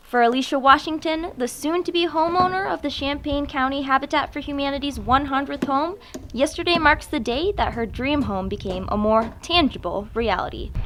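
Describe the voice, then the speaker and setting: Over noticeable background noise, a woman talks at a moderate pace with hardly any pauses, her high voice carrying lively intonation. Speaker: TV news reporter. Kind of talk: TV news package voiceover.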